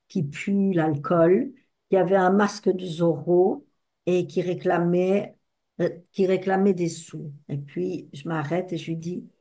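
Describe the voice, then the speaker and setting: An older woman giving a personal testimony to an audience, telling stories expressively and acting out the dialogue. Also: lowish voice. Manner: expressive storyteller who acts out the dialogue. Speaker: speaker at a talk with audience discussion.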